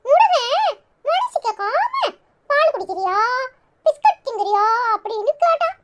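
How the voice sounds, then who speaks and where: A woman voicing a squeaky cheeky little boy. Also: big pitch swings, a little slow, heavily acted. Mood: chirpy. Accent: Tirunelveli Tamil. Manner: chatty, bossy and cheerful. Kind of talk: cartoon voice acting. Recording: clear background noise.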